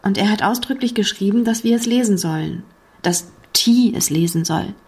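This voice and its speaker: A woman's voice: mid-range voice, moderate pace, darkish tone, breathy edge. A woman reading the part of a young, insistent housekeeper's daughter in an audiobook, voice raised and urgent.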